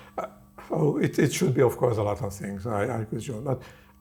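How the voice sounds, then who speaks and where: Music plays in the background. A man is speaking. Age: 60s. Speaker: research scientist. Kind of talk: interview. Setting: on location in a lab facility. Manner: halting.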